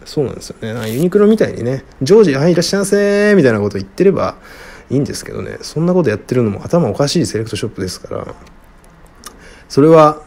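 A man answering listener questions alone in casual talk, frank and rambling with many fillers, often trailing off quietly. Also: fast. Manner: lively, wide pitch swings. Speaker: radio-style show host answering listener questions.

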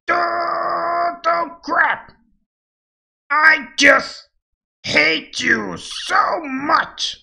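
A man's voice: extremely high pitch, gravelly, sharp tone, full character voice. A man voicing a cocky, boastful masked male wrestler in a brash put-on voice for a fan voice demo. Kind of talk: fan voice demo of game quotes.

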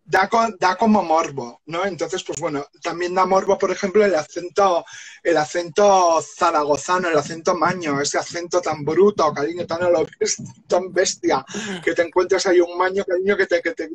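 A man's voice: high-pitched, steady tone, moderate pace, slight background noise. A man from the Basque Country hosting a camp video chat in drag persona, chatty and full of terms of endearment, talking into a phone from an indoor room. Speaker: host of a drag chat show. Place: indoor room with clothes rack. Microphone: phone on a video call.

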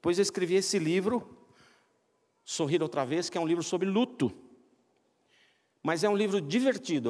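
A middle-aged man with a Brazilian accent preaching a humorous sermon, telling personal stories and acting out the voices of the people in them. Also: fairly high pitch. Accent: Brazilian Portuguese. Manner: animated, acts out quoted voices, self-mocking jokes. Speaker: pastor. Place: large church sanctuary. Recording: church hall reverb.

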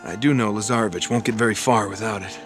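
A man's voice: on the low side, fairly even intonation, fast, close to an everyday voice. An American actor playing a roguish, wry male adventurer in his thirties in a video game, speaking casually and flippantly. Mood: playful, confident. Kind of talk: cinematic video game dialogue. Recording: game soundtrack music underneath.

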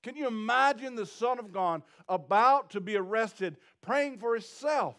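High-voiced bearded pastor preaching. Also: male voice, lively intonation, unhurried, a bit bright. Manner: preaching with rising intensity and emphatic repetition; pacing the stage with wide gestures. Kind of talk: sermon. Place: small church stage with seated congregation.

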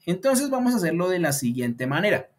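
A male English teacher runs an online beginner lesson, thinking aloud while editing his slides and filling gaps with words like "pues" and "entonces." He slows down to model example sentences so learners can catch the intonation, and his voice is high and sing-song.

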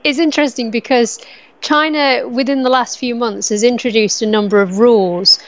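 A woman from the UK, a media analyst, explaining a story clearly in a news interview. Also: a little high, steady tone, normal speed, dull audio.

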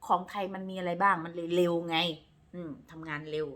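In her vlog, a woman from Northeast Thailand chats casually to camera from her home in Texas, rambling a bit and referring to herself by name. Her voice is lowish and a bit bright, with a steady tone and a slightly fast pace.

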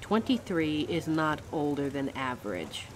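Actress as female werewolf near thirty, lowish voice, anxious, sarcastic, audio drama, faint background noise. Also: very animated, measured pace. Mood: wry, defensive.

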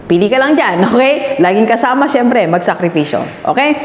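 A woman's voice: on the high side, expressive, normal speed, reverberant, in a large hall, a little hiss or hum. A woman with a Filipino accent, a business coach giving a motivational vlog talk and challenging the listener with repeated rhetorical questions. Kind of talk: motivational vlog talk in mixed Tagalog and English.

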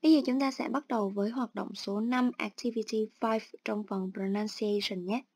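A woman teacher calmly explaining an online English exercise step by step. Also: medium pitch, moderate pace, slightly rough, dry recording. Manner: steady instructional, explains each step. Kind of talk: online lesson narration.

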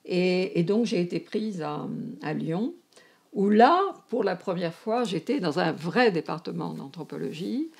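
Her voice is lowish, darkish and slightly rough, creaky but expressive, and she takes her time. An elderly retired anthropology professor with a northern French accent, she gropes for words while recounting her career in a filmed interview, seated in a domestic room.

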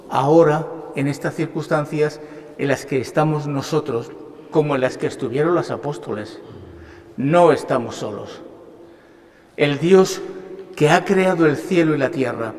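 Older bishop preaching with church reverb. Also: male voice, fairly high pitch, a little mellow. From Spain. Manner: slow, earnest preaching with rhetorical questions. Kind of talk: homily at Mass. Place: large church chapel. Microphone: stand mic at a lectern.

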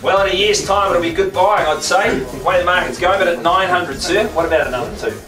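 A middle-aged New Zealand man runs a house auction with brisk, wisecracking patter, his voice sitting a touch high. He is picked up from across an echoey, crowded room rather than close to a mic. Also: recorded from a distance, over music. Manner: quick joking banter, rhythmic bid calling. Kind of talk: live property auction patter. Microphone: far camera, no mic.

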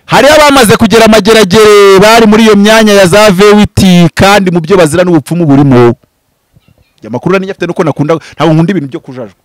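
A man in his thirties from Rwanda, a pastor speaking in an impassioned, preaching style, swinging from loud bursts to low murmurs. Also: very fast, no room sound. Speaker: pastor and prophet. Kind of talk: animated preaching-style interview talk. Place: outdoors before green foliage. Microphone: handheld mic held close.

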